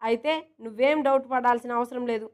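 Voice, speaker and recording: A woman voicing a playful, headstrong young woman who works in an office, talking in a quick, cheeky way. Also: on the high side, steady tone, darkish tone, smooth, natural voice.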